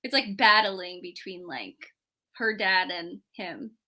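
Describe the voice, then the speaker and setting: On a live book club readalong show, a female co-host shares her views informally, leaning heavily on the word "like." She speaks slowly in a mid-range voice that sounds pushed and bright.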